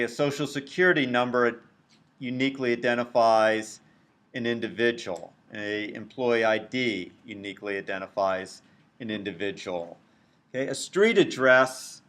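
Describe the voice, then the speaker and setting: Man, university lecturer, big loud voice, very slow deliberate pace, screen-recorded lesson. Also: mid-range voice. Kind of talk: recorded lecture over a drawing tablet.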